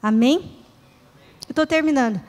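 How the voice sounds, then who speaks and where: A middle-aged woman pastor delivers a sermon in a reverberant church hall, earnest and conversational, acting out short prayers. Her voice sits high and is a little mellow, with a slightly slow pace.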